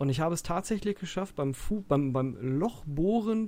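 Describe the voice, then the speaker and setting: A man with a dark, mellow tone and fairly high pitch. His pitch swings very widely as he talks at a fairly slow pace. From Lower Saxony, northern Germany. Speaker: podcast listener giving feedback. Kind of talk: casual chat.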